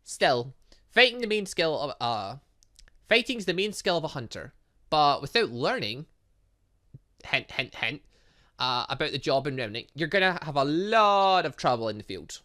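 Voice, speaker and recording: A man's voice: on the high side, big pitch swings, moderate pace, pushed and bright. A man voicing a cheeky, blunt young female student who teases and lectures, in a visual novel game. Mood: blunt, teasing. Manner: teasing, lecturing.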